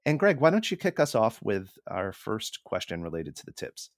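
A man's voice: fairly low pitch, huge pitch swings, normal speed, no room sound, studio quality. A man hosting a podcast interview, steadily guiding the conversation with questions. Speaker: podcast host.

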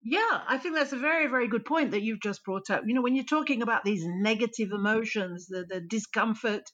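A woman's voice: on the high side, fairly quick, fairly bright tone. A woman language teacher answering interview questions in a thoughtful, explanatory way. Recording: muffled lo-fi line.

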